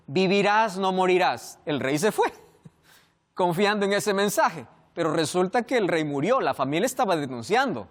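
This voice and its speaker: A man preaches a sermon, posing rhetorical questions and swinging from loud emphasis to hushed endings. His pitch is fairly high.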